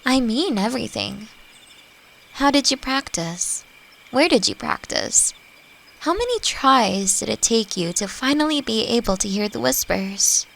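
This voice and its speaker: A woman playing a friendly, playfully teasing elf who teaches magic, speaking gently and reflectively in a roleplay audio drama. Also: fairly high pitch, big pitch swings, measured pace, creaky, slight background noise, exaggerated voice. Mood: eager, curious. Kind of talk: scripted roleplay audio drama addressed to the listener.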